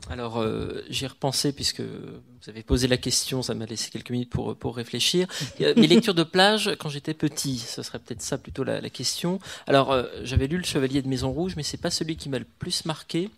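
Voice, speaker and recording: Gravelly, reflective male historian. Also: medium pitch, brisk, hardly any pauses. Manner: reflective, hesitant. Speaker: guest historian. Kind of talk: panel discussion.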